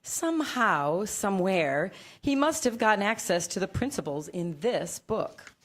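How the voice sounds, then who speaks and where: A pedantic lady scholar acted by a woman in a staged comedy reading. The delivery is formal, measured and exact, in a medium-pitched voice. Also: lively intonation. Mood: matter-of-fact. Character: prim, pedantic female scholar of Greek culture.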